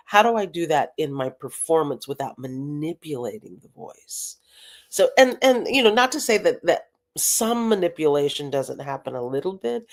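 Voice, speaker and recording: Emphatic woman agent on a video call. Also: sits low. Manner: emphatic, explanatory, quick restarts. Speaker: talent agent. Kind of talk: interview guest, advice.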